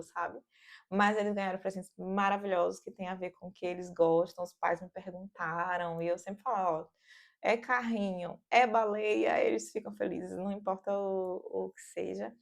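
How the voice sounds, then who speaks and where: A woman's voice: medium pitch, creaky. A woman in her thirties from Brazil with a Brazilian Portuguese accent, chatting casually and animatedly in a vlog from her home office. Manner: chatty and animated, lots of fillers. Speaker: vlogger.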